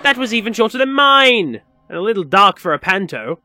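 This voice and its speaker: Woman playing a bright, animated, defensive playwright. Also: mid-range voice, fairly quick, dry recording, clean studio sound, soft background music. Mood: argumentative. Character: defensive, stubborn female amateur playwright and presenter. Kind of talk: comic audio pantomime.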